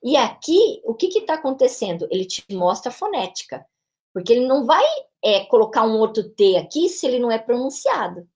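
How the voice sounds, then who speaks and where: A woman's voice: a little high, big pitch swings, fairly quick, a little mellow. A woman teacher with a São Paulo interior Brazilian accent walks through a pronunciation lesson. Her tone is explanatory and patient, and she keeps checking in with short tag questions. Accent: São Paulo interior Brazilian Portuguese. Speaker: English teacher.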